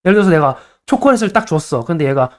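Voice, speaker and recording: A young man talks quickly and casually through dating advice, slipping into little acted scenes with dialogue. His voice sits a touch high, and he rattles along at a brisk clip. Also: sing-song, darkish tone. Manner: chatty, playfully acts out little scenes with dialogue.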